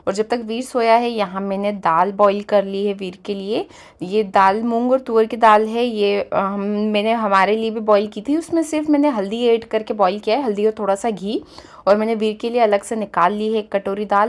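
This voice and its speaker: A woman, a mother and vlogger, explaining her baby's daily routine in a calm, matter-of-fact voice-over. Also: medium pitch. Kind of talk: vlog voice-over narration.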